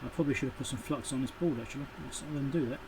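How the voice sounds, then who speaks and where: A man's voice: mid-range voice, rapid-fire, background noise. A man giving an off-the-cuff, casual running commentary as he does hands-on work, with muttered asides. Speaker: electronics repair channel host. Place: indoor electronics workbench.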